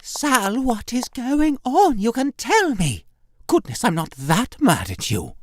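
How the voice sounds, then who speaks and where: Jealous, bossy lover, high register, wildly swinging pitch, drawn-out theatrical delivery for comic audio drama. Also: female voice, big pitch swings, a little hiss or hum. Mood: concerned. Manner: theatrical, grandiose, scolding. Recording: music behind.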